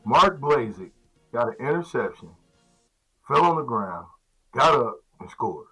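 Man, talk show host, bright forceful voice, animated pitch swings, teasing, casual sports chat. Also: measured pace, breathy edge, soft background music, poor audio. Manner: teasing, repeats himself.

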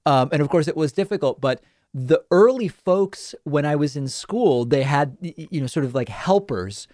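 On the high side and animated, the voice of this political talk show host has a darkish tone and a normal speed. Raised in southern western New England and speaking with its accent, he delivers a chatty, digressive casual monologue full of restarts, recorded dry at studio quality.

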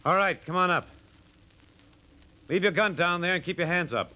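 A man's voice: sits high, bright, forceful tone. An actor playing a rebellious, disillusioned space crewman, intense and brooding, in a 1950s radio drama style. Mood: wary, shouting. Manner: intense, brooding, halting at times. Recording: noisy vintage 1950 radio recording.

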